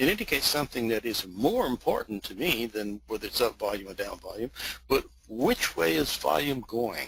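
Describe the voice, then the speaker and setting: A man speaks at a medium pitch with lively intonation. Noticeable background noise runs underneath. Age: 70s. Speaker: trading educator. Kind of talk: webinar presentation. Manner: halting.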